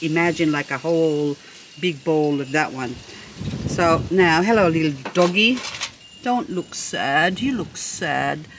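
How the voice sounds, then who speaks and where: Against a noisy background, a woman with a lowish voice shows off her succulents in a casual vlog chat. She's playful and chatty, gushing over and admiring the plants while making jokes to herself.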